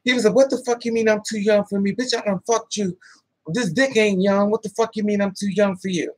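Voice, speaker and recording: A woman in her thirties tells a dating story to the camera, swearing freely and acting out both sides of the talk. Her voice is husky with a breathy edge. The recording is close and dry. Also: medium pitch, brisk, no room sound. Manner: animated, profane, laughing asides. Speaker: vlogger telling a dating story. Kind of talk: casual storytelling with quoted dialogue.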